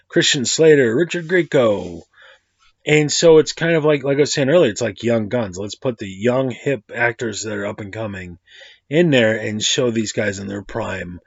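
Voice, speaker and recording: A man's voice: on the low side, gravelly, slightly rough, dry recording. A man in his forties hosting his own movie review vlog, rambling in a slangy, casual way and often correcting himself mid-sentence. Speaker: host of a movie review channel. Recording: dry, slightly dull lo-fi audio.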